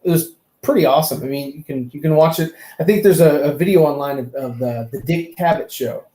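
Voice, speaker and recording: A man's voice: on the high side, brisk, mellow. A man chatting casually and giving opinions on films, rambling and often repeating his words. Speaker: panelist on a fan talk show. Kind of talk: casual opinionated film chat. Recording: echoey room.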